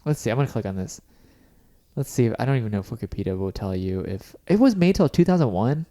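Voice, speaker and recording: A man with a warm, mellow voice chats casually as a podcast co-host. He is wry and loose, often breaking off mid-thought before picking the sentence back up. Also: mid-range voice, animated, fast. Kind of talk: casual chat.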